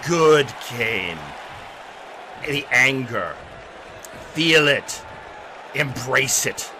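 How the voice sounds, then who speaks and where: A man voicing a sinister, calm dark lord who urges on anger in a measured, menacing manner. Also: mid-range voice, background noise, pitched below the performer's own voice.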